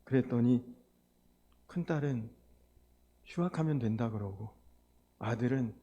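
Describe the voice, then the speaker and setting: A man's voice: medium pitch, a little slow, mellow, dull audio, a little hiss or hum. A male pastor telling a story in his sermon, acting out the people in it. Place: church sanctuary. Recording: long church hall reverb.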